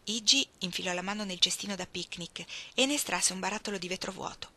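A woman reading a novel aloud in an expressive storytelling manner. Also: medium pitch, fast talker. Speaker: reader.

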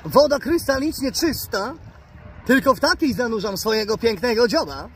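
A man voicing a vain, elegant white male bird who boasts slowly about himself. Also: very high voice, animated, a little hiss or hum.

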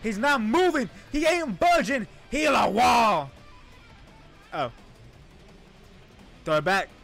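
A male streamer with a very high voice and swooping, lively delivery gives excited reaction commentary. He is playful and slangy, often breaking into shouts, with a bit of fry in the voice and music playing behind him. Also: takes it slowly. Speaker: VTuber streamer reacting to an animation. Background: music and video audio.

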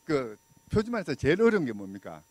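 With a rather high, very animated voice, a middle-aged man from Busan talks fast through a public law lecture, and there's no room sound. He's in a small indoor lecture room with a handheld mic, walking and gesturing, speaking conversationally with many fillers and quizzing the audience.

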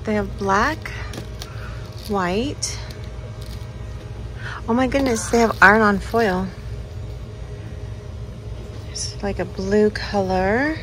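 A woman's voice: mid-range voice, extremely slow, long pauses, fairly bright tone, rough recording. A woman filming a shop-with-me vlog inside a store on a handheld phone, chatty and exclaiming over items. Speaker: vlogger. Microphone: handheld phone camera. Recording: store noise behind.

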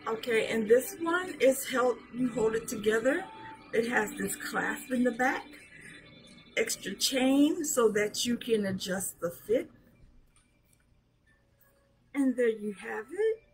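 A middle-aged woman with a hoarse voice, chatting casually as she shows jewelry to a webcam in a small room. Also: a little high, expressive, soft background music, rough recording. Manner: chatty, slow, showing items up close. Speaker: jewelry seller. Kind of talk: live sales show chat. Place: small decorated room indoors. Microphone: webcam at arm's length.

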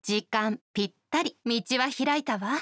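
High-voiced, proud oni idol played by an actress. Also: female voice, moderate pace, a bit bright, no room sound, studio quality, close to an everyday voice. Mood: pleased, self-assured. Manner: poised, self-assured, exacting. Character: proud, perfectionist young oni woman, a star musician. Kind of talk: Japanese video game character voice lines.

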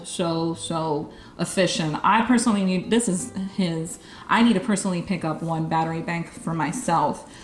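Bubbly woman in a roomy game room. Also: on the low side. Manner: bubbly, laughs often, chatty with fillers. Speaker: YouTube convention reporter. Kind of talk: casual show-and-tell chat. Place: game room with arcade cabinets.

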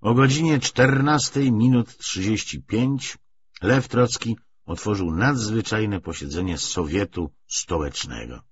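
A man reading a literary audiobook with expressive, deliberate delivery. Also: on the low side, husky, highs cut off. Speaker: audiobook narrator. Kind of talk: literary audiobook narration with acted dialogue.

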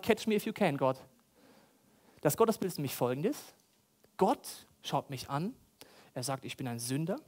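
Animated man preaching a provocative sermon. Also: a little high. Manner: animated, provocative, acts out voices and prayers. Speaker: pastor. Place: church hall.

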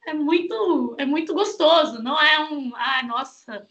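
A woman's voice: high-pitched, expressive, a little slow, fairly bright tone, muffled recording. A young woman hosting a casual video-call interview as a language teacher, chatty and laughing often, on a headset mic. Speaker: Chinese teacher and host. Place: small room at home, indoors.

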